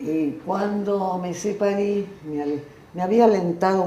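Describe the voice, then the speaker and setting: A woman talks with ordinary pitch variation. The recording has audible room echo and noticeable background noise. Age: 90s. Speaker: writer. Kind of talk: interview.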